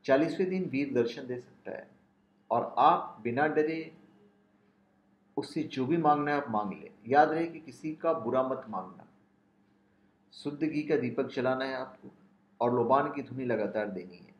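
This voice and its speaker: A man hosting a spiritual channel, explaining a ritual step by step and reciting mantras and long lists of names in a chanting cadence. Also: medium pitch. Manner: measured, listing names one by one in a chanting cadence. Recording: roomy, dull lo-fi sound.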